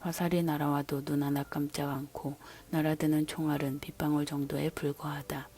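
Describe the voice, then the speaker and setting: A woman's voice: deep voice, level tone, normal speed. A woman reading God's words to a man in an unvoiced whisper, as a whispered scripture reading. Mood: describing. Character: almighty God questioning a man. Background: soft background music.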